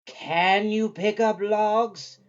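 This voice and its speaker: A storyteller voicing a grumpy old woman from a fantasy storybook, grumbling with drawn-out, emphatic sarcasm. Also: mid-range voice, steady tone, lo-fi sound, pitched above the performer's own voice. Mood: wary.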